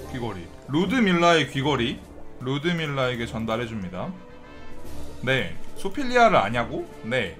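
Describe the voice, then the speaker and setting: Chatty, excitable male game streamer. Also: mid-range voice. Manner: chatty, loud excited outbursts and swearing. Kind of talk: casual gameplay commentary.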